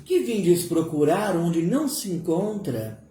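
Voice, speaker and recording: A woman voicing a solemn, gentle male teacher in his last hours, speaking in a slow, grave, hushed way. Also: fairly low pitch, very animated. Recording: roomy echo.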